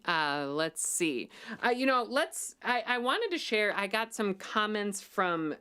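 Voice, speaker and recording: A woman's voice: medium pitch, big pitch swings, slow pace, bright, forceful tone, clean tone. A woman hosting a casual livestream, chatty and full of ums, growing emphatic when she argues a point. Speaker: livestream host.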